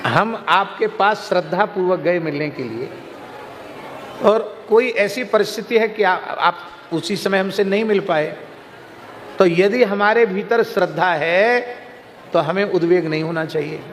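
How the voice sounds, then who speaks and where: A man with a high voice and measured delivery tells stories and lively anecdotes in a religious katha discourse. The recording comes from a reverberant hall with faint background noise.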